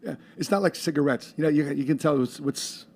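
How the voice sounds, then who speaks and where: A man's voice: a little high, brisk, darkish tone. Laughing, rambling male podcast host. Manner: laughing, rambling, many fillers. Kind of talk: casual podcast chat.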